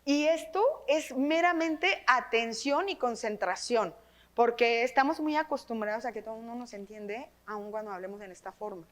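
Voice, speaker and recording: This workshop leader for teachers has a fairly high voice, a Mexican accent, and a moderate pace as she talks into a microphone about reading aloud. Lively and well projected, her trained voice keeps tagging phrases with questions so she can check in with the room.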